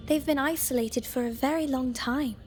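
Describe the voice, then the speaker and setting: A woman voicing a bright, curious, bookish young girl in a video game, eager and earnest. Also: high-pitched, normal speed, natural voice. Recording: long reverb, faint music behind. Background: faint game music.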